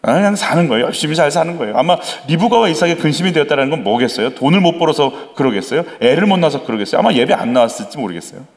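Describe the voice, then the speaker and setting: A man's voice: a little high, rapid-fire, hardly any pauses. A man preaching a sermon as the pastor of a church, asking the congregation questions and acting out voices. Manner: animated, acts out quoted voices; conversational, asks the congregation questions.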